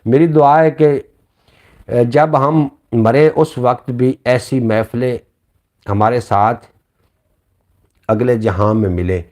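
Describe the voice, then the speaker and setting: A man's voice: mid-range voice, takes it slowly, long pauses, a little mellow. Punjabi-accented man reciting poetry on a livestream. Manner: recites couplets in a rising, sing-song cadence. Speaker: livestream host reading viewer comments and poetry. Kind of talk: casual live chat with poetry recitation.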